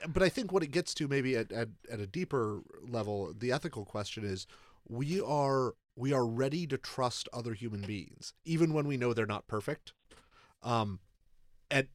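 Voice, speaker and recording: A man's voice: medium pitch, dry recording, studio quality. A man co-hosting a panel discussion, talking in a thoughtful way and steering the conversation.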